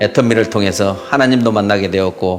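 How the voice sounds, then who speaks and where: Fairly low-pitched male voice with a Jeolla accent, ordinary pitch variation, and music in the background. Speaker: network marketing business leader. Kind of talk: interview answer.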